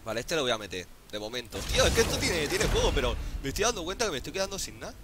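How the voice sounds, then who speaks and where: A man with a Spain Spanish accent doing casual gameplay commentary, excitable, swearing often and pleading out loud. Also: fairly high pitch, very fast, background noise. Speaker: gaming YouTuber.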